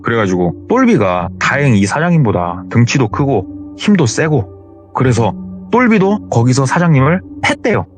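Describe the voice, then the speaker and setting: Guy narrating a spooky true story, super animated, some soft music behind. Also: mid-range voice. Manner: animated, dramatic. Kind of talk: retelling a horror story.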